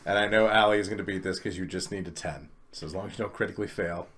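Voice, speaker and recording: A man narrating as game master in a relaxed, rambling way. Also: low voice, rapid-fire, slight background noise.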